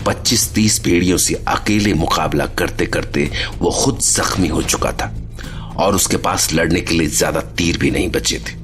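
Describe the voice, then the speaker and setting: A man's voice: low-pitched, normal speed, fairly bright tone, soft background music. A man narrating a horror audio drama as a grave, dramatic storyteller.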